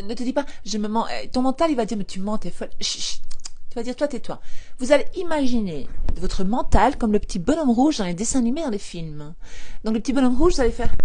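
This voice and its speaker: Speaking at a fairly high pitch, a woman coaches her live-stream audience on affirmations as a manifestation coach. Her manner is talkative and upbeat: she laughs often, repeats phrases and reads comments from viewers aloud.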